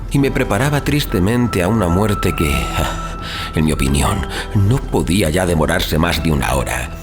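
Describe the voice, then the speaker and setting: A man's voice: sits low, lively intonation, normal speed. A man reading a literary horror story as a narrator, in a solemn, suspenseful, dramatic style. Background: music.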